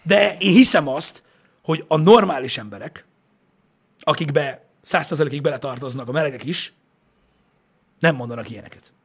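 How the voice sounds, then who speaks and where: A man's voice: a little high, lively intonation, long pauses, slightly rough. A man in a casual chat, talking bluntly and profanely in heated rants.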